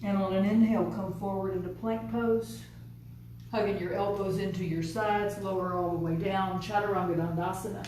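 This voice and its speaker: A woman teaching a yoga class, giving calm, unhurried step-by-step cues. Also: medium pitch, a little hiss or hum. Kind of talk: guided yoga class instruction. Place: yoga studio. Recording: distant, very echoey studio room.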